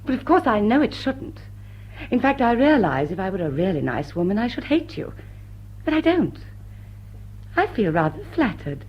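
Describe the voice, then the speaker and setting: A woman's voice: mid-range voice, sing-song, normal speed, pauses often, breathy edge, highs cut off. An actress playing an elegant, witty lady jewel thief with arch, poised delivery in the style of a classic stage comedy. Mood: amused, flirtatious. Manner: arch, poised, dry upper-class wit. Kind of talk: classic stage comedy radio drama acting.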